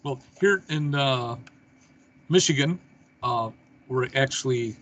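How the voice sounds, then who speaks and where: A man's voice: mid-range voice, slow pace, fairly bright tone, highs cut off. A man hosting an interview show, with scripted announcements and casual questions.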